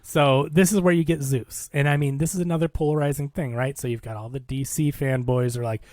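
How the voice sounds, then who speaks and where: A man hosts a casual film discussion at a middling pitch. He talks like a storyteller, in everyday colloquial phrasing. The sound is dry, with no room around it. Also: steady tone, fairly quick, a little mellow, dry recording. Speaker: film podcast host. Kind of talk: casual movie review chat, recapping a plot.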